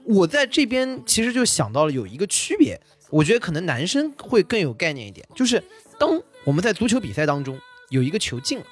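A man talking casually on a podcast, explaining his views in an animated way. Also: high voice, fairly quick, slightly rough. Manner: animated, explanatory, lots of fillers. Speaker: podcast host. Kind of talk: casual chat.

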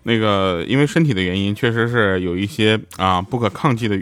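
A man's voice: lowish voice, fairly quick, a bit bright, clean tone, no room sound. A man hosting a comedic podcast, joking and mocking himself, often laughing as he talks. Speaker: podcast host. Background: background music.

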